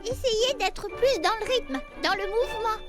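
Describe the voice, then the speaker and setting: An actress voicing a small, eager, insistent character in a French children's cartoon. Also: female voice, very high-pitched, expressive, moderate pace. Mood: encouraging. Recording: loud music behind the voice.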